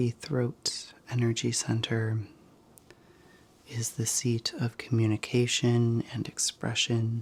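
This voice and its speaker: Calm and gentle in tone, a man speaks very slowly at a medium pitch. His voice is somewhat breathy, with monotone, flat intonation. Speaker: Reiki healer and YouTube creator. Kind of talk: guided Reiki healing session. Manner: calm, gentle, soothing.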